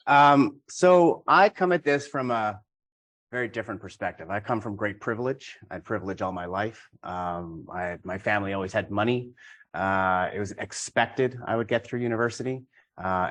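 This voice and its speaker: Middle-aged male dean type, lowish voice, matter-of-fact delivery. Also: fairly bright tone. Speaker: university administrator presenting. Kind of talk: conference talk.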